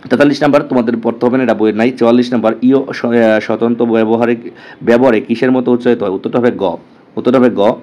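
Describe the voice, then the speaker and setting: Guy from bangladesh tearing through exam answers, repeats stuff, asks "clear?" a lot, warm voice. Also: mid-range voice, steady tone, fast, highs cut off. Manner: rattles off answers, repeats them, checks with "clear?". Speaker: teacher. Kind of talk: rapid exam-prep lesson.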